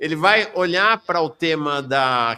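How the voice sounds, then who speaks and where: His tone is bright and sharp. This man's pitch is fairly high. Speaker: news show host. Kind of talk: political panel discussion.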